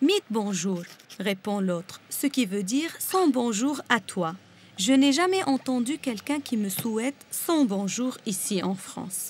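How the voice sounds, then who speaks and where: A woman speaks at a very slow pace with a fairly high pitch. Her voice makes very wide pitch swings. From Lebanon. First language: Arabic (speaking French). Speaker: essayist presenting a segment. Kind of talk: scripted narration.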